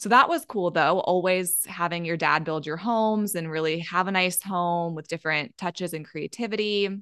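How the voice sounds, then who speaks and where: Against a quiet background, a woman with an American accent speaks at a moderate pace and a fairly low pitch, barely pausing. Her tone is bright and sharp, with ordinary pitch variation. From Maryland, US East Coast. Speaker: life coach. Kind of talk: casual interview conversation.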